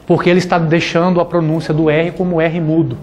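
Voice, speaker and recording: A man's voice: fairly high pitch, little pitch movement, a little mellow. A man teaching a classroom lesson, who repeats each word and ends his phrases with "né?" and "tá?". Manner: slow and deliberate, repeating words and ending with "né?" and "tá?". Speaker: Hebrew teacher. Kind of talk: classroom lecture.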